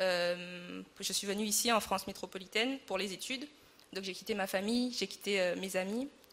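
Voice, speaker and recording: A woman speaks in a plain, everyday voice at a medium pitch. Her pace is moderate and her intonation fairly even. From Guadeloupe. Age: 20s. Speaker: student. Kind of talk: testimony. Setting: church.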